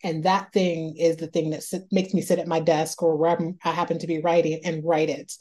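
A woman author from Northeast Ohio talks through her ideas in an interview. Her voice sits a little low and sounds mellow and relaxed. She thinks aloud, often repeating a word before going on. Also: a little fast. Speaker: author guest. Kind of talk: reflective interview conversation.

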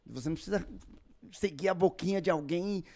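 A man's voice: sits high, brisk, gravelly. A Brazilian man, a voice actor, telling stories in a casual podcast chat and laughing often. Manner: animated storyteller, laughs often.

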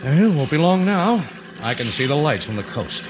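A man's voice: on the high side, big pitch swings, moderate pace, noisy background. Cocky, menacing gunman, muffled old radio. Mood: wary. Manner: taunting, sardonic, tough-talking. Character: cocky, menacing male criminal with a gun. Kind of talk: 1950s radio drama acting.

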